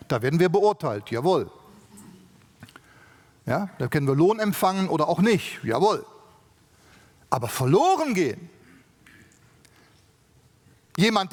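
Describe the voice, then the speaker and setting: High-voiced man preaching in a hall. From Germany. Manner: emphatic, rhetorical questions, tag questions. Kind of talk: sermon. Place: large conference hall. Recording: long reverb of a large hall.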